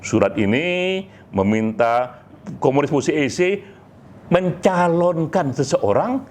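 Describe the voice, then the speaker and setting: A man giving an informal, emphatic monologue to a community, with deliberate pauses and small tag words. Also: fairly high pitch, expressive, a little mellow. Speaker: speaker, leader of a poetry community.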